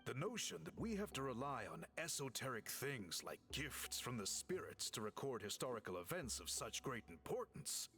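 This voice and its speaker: An actor playing a tall, courteous tribal chief in a video game, formal and measured with slight hesitations. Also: male voice, medium pitch, sing-song, pushed and bright. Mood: troubled. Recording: faint music behind.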